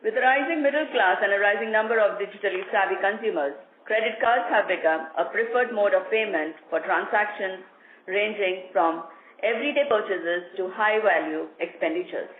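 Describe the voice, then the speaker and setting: A woman's voice: mid-range voice, normal speed. A woman with an Indian accent formally reading a prepared corporate presentation as a company executive over a conference call. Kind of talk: scripted earnings call presentation. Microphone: phone or conference line. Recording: phone-like conference line, roomy echo, faint noise.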